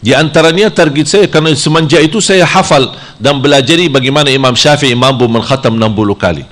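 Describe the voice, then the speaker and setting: A man from Saudi Arabia, preaching a sermon in a lively style whose pitch jumps high when he plays out temptations. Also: fast talker.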